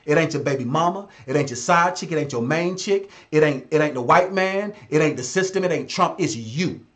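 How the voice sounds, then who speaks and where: A man's voice: a little high, animated, fairly quick, a bit bright. A man in his thirties, a business consultant giving blunt, exhorting advice on a live stream and repeating phrases for emphasis. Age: 30s.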